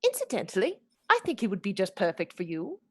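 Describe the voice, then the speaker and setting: A woman's voice: medium pitch, wildly swooping pitch, fast, a little mellow, husky. An actress playing a sweet, chatty young Victorian lady in a radio play, confiding and dramatic in a girlish way. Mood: gossipy. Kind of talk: radio play acting and storytelling.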